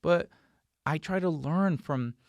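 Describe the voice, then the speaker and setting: Higher-pitched man teaching informally, close and dry. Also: takes it slowly, dry recording. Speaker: instructor, video host. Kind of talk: informal tutorial talk to camera. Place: small home studio, indoors. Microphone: desk microphone close in front.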